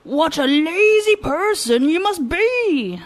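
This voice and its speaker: A woman's voice: medium pitch, sing-song, dry recording. Woman voicing a lazy, haughty young man. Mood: indignant. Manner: slow, drawling, loud and haughty. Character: lazy, arrogant young man lounging idle.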